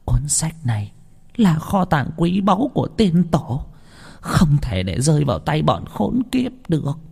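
Frail hunched old granny for a horror audiobook, high and raspy, voiced by a man. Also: very animated, measured pace, dark tone, heavily acted. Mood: pleading. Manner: pleading then shrieking in fury. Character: frail hunched old grandmother, fierce and desperate.

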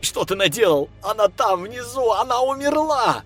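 A man's voice: a little high, lively intonation, a little slow, faint music behind, pitched above the performer's own voice. A man voicing a desperate young man. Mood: anguished. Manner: urgent, pleading, shouting.

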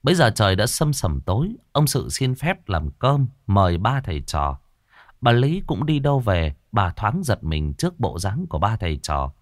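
A male storyteller narrates a ghost story expressively, his voice sitting low but swinging widely in pitch. The recording is dry and close, with no room around it. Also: very animated, moderate pace, no room sound.

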